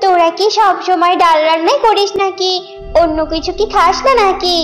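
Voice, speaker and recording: A woman's voice: extremely high pitch, steady tone, normal speed, faint music behind. A woman voicing a boastful female deer neighbour in a cartoon, needling and showing off. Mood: taunting. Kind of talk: cartoon character dialogue.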